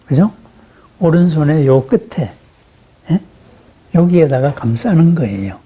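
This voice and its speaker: Male Buddhist teacher, dark breathy voice, explains patiently and keeps checking in with the room. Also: mid-range voice. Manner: explanatory, often checks in with the listeners with short questions; conversational, uses rhetorical questions. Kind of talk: teaching sermon on meditation practice.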